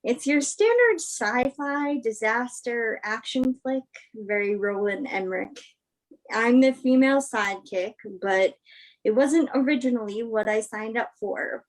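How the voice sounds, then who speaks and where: A fairly high female voice that takes its time over each phrase. A woman acting as a frank, principled movie star in a staged play reading. She answers interview questions in a measured, reflective, conversational way. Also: lively intonation, poor audio. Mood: casual, reluctant. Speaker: actress in a virtual staged reading.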